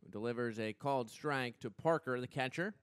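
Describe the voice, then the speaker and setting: A young American man doing live radio play-by-play commentary of a softball game as the announcer. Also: mid-range voice, clear, resonant tone, no echo. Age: young adult. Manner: measured between plays, excited on big plays.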